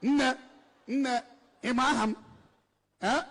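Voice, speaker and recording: A man with a Nigerian English accent preaches with a strikingly high voice, scolding and emphatic, repeating his points. His words ring out through a large hall with a long, lingering echo. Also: steady tone, slow pace, a bit bright. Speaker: evangelist. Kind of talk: preaching to a congregation, switching between English and Igbo. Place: church hall with an altar.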